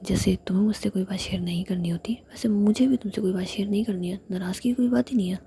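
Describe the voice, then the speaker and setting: A woman's voice: mid-range voice, fairly even intonation, fast, gravelly, dark tone, lightly acted. A woman whispering as an angry jealous young woman. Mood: accusing. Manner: whispered, snapping.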